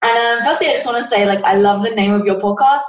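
At a fairly quick pace, a woman with a medium pitch speaks amid audible room echo.

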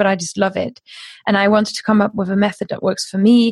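A somewhat breathy woman with a German accent, at medium pitch with fairly even intonation. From Germany. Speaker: language teacher and online course creator. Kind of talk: interview.

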